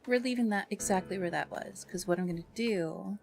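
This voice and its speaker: A woman's voice: mid-range voice, brisk, gravelly, a little mellow, soft background music. A woman hosting a livestream in casual, chatty talk with self-deprecating grumbling, speaking into a streaming mic. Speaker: livestream host.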